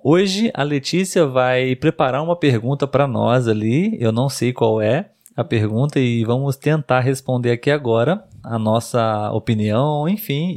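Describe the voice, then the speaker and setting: A Brazilian man in his thirties talks as a podcast host and language tutor. His voice sits at an average pitch, and his delivery is conversational, aimed at learners. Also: darkish tone. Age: 30s. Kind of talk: casual chat for language learners.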